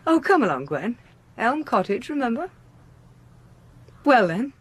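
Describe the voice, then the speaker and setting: An actress playing a genteel, expressive wife with an English accent and a breathy, husky voice in a 1980s radio drama. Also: female voice, fairly high pitch, a little slow, heavily acted. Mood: curious, insistent.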